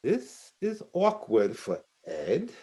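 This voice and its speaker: A man acts a wry, mocking onlooker in a stage play. The delivery is very slow, with pitch that moves widely. It comes over a video call. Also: wildly swooping pitch, mellow, heavily acted. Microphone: video call microphone.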